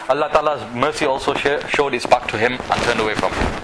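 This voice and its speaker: Amid noticeable background noise and audible room echo, a man with fairly high pitch talks at a fairly quick pace. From northern England, Bolton. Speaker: Islamic preacher. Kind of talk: sermon. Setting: religious gathering with audience.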